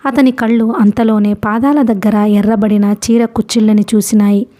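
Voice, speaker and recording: Mellow-voiced woman reading a novel aloud. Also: mid-range voice, flat delivery, moderate pace. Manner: reads a novel aloud, voicing characters in her own voice. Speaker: audiobook narrator. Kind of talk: storybook narration.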